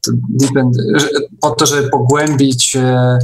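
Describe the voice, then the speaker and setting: A man hosting an online meeting in casual chat, speaking in a hesitant, halting way. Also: medium pitch, level tone, poor audio.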